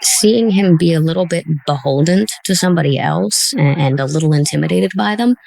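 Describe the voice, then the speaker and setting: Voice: mid-range voice, a little fast, vocal fry, a little mellow, rough recording. A podcast host in a casual interview and commentary, talking in a thoughtful, encouraging way as the show's creator.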